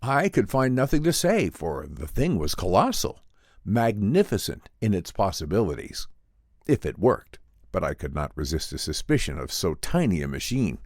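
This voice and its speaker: A man narrates classic science fiction in a low, dry-recorded voice. His delivery is earnest and theatrical, with animated rises and falls. The phrasing is formal and scripted, like an audiobook dramatic reading. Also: moderate pace, no room sound.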